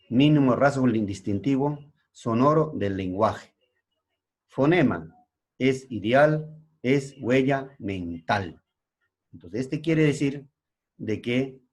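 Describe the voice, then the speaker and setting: A middle-aged male secondary school teacher with a Peruvian Spanish accent gives a slow classroom lesson. He keeps checking in with his pupils. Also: mid-range voice, darkish tone, breathy edge. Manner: slow, explanatory, frequent checking tags.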